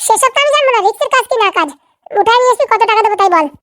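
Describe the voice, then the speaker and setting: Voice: very high voice, animated, racing, bright, forceful tone, no room sound, studio quality, heavily acted. A performer voicing a bossy, scheming rich madam in a comedy cartoon, commanding and impatient.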